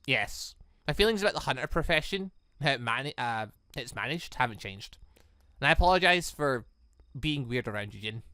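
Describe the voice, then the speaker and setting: Man voicing young huntress, visual novel character, subdued, apologetic, quiet halting delivery, dry close sound. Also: medium pitch, animated, clear, resonant tone, dry recording, pitched below the performer's own voice. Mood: regretful, resigned.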